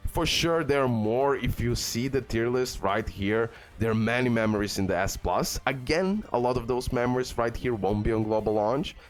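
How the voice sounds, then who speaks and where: A gaming YouTuber delivers casual game guide commentary with enthusiasm, packing in fillers and repeating "guys" and "okay." He speaks at medium pitch and normal speed with hardly any pauses, over faint background music.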